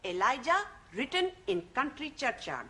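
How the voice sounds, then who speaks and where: An actress playing an earnest Indian student who recites English poetry haltingly, with a South Asian accent, in a sitcom. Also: female voice, sits high, big pitch swings, bright, forceful tone, full character voice. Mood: earnest, solemn. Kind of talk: sitcom school-concert recitation. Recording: audience and faint noise behind.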